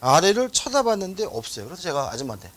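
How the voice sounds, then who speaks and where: A man's voice: fairly high pitch, very animated, fast talker. A middle-aged man from Seoul giving an exam-prep law lecture, chatty and asking rhetorical questions as he tells anecdotes. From Seoul, South Korea.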